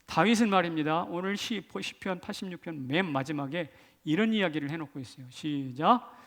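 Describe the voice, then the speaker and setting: A male senior pastor preaching a Sunday sermon in a church. He moves between hushed asides and shouted emphasis and acts out quoted voices. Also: a little high, brisk. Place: church sanctuary.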